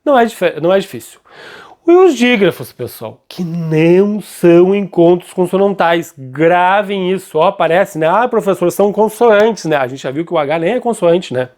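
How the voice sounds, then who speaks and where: A man teaching a grammar lesson, keeps checking in with his students and slows down to stress key points. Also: high voice, animated, darkish tone. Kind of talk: classroom-style grammar lesson.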